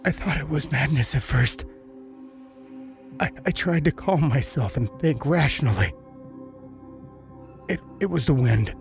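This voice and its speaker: An actor playing a terrified male prisoner in a horror audio drama, brooding and halting as he recounts solitary torment and slips into panic. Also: fairly high pitch, expressive, gravelly. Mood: haunted dread. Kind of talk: first-person horror audio drama narration. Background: music.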